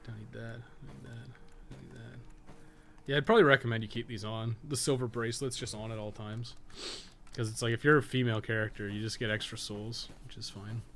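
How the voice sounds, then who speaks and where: A man's voice: lowish voice, gravelly, fairly bright tone, a little hiss or hum. A man chatting casually on a live game stream, rambling, thinking aloud and swearing freely.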